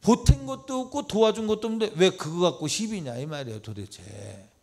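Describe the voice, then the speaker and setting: A man with a warm, gravelly voice preaches to his congregation at a church service. He talks to them plainly, rising to loud exhortation and then dropping to quiet asides. He acts out the voices of the people he quotes and keeps asking his listeners questions. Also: sits high, expressive, a little fast. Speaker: pastor. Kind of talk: midweek church sermon.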